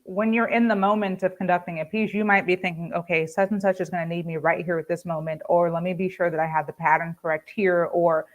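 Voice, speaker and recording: A woman's voice: fairly low pitch, fairly even intonation, fast, hardly any pauses, muffled recording. A woman guest conductor in casual conversation, chatty and laughing often, full of fillers, over a video call. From United States.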